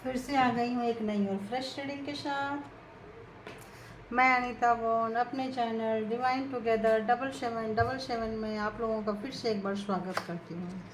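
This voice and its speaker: A woman's voice: fairly high pitch, fairly even intonation, measured pace, reverberant, a little hiss or hum, rough recording. A woman hosting a casual tarot reading for her viewers, talking in a chatty, coaxing way and checking in with them often. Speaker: tarot reader, channel host.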